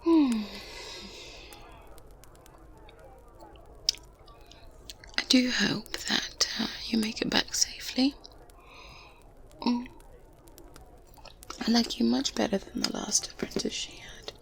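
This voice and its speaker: Woman acting a slow, whispering kindly witch. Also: on the high side. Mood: warm, approving. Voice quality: soft, breathy whispering. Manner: gentle, deliberate, murmuring with small hums. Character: kindly, unhurried medieval witch at her grimoire. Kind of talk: softly spoken, whispered ASMR roleplay.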